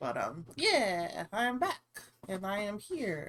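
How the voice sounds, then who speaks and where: A woman speaks with an American accent. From USA. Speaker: artist streamer. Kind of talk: casual live stream chat. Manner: rambling, halting with fillers.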